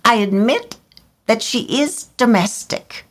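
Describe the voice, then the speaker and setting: A woman reads from a storybook, voicing a vain, fussy little male swallow who complains in a chirpy, self-important way. Her voice is on the high side and pushed upward, and she speaks slowly.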